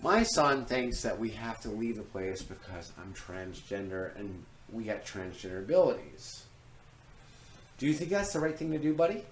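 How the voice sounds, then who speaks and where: A woman's voice: extremely low pitch, lively intonation, normal speed, a little hiss or hum, rough recording. A trans woman with a Southern accent, chatting and teasing playfully while filming a casual home vlog. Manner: playful, teasing questions, laughs often. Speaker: vlogger filming her family. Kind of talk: casual handheld vlog chat. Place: at home, then outdoors in a driveway.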